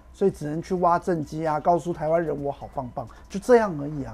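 Spoken at a moderate pace, with faint music playing in the background. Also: man. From Taiwan. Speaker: political commentator YouTuber. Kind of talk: solo political commentary. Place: home room. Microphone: lapel.

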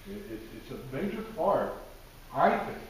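A man is heard with strong room echo and light background noise. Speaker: lecturer. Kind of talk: lecture. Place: classroom.

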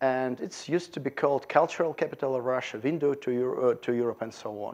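A man speaks at a fairly quick pace. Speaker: guest lecturer. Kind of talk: lecture. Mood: friendly, pleased. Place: hall.

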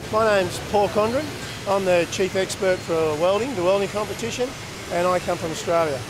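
Talking at a fairly quick pace, a man has a high voice with ordinary pitch variation. Noticeable background noise sits under a dry sound with no echo. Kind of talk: interview answer. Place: hall.

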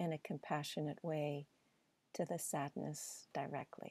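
A woman speaks in a calm, soothing tone that is dark and mellow. The sound is dry, with no echo. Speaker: meditation teacher. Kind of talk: guided meditation. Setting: video call. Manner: slow, calm, soothing. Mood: calm, gentle, measured. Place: home room. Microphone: earbuds.

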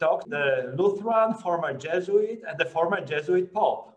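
This voice has a Polish accent and ordinary pitch variation. It moves at a fairly slow pace. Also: man. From Poland. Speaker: theology school president, interviewer; interviewer. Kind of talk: interview. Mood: light, joking. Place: home room. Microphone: video call.

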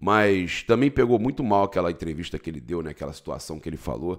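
A man talks against a quiet background. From Brazil. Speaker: football news youtuber. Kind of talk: casual sports news commentary. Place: home room. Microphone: studio mic.

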